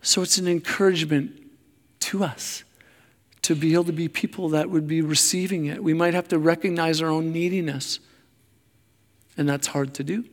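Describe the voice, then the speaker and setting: A man preaching a sermon in a halting, self-deprecating way, searching for his words as he goes. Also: fairly high pitch, fairly even intonation. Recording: long hall reverb.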